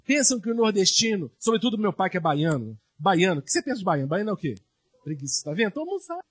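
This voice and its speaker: High, animated husky male pastor. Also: fast. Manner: rhetorical questions to the congregation. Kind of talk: sermon.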